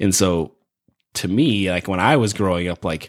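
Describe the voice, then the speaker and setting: A man talks at a moderate pace in an ordinary speaking voice, captured on a very clean recording with a silent background. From Oklahoma. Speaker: podcast co-host. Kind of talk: casual chat.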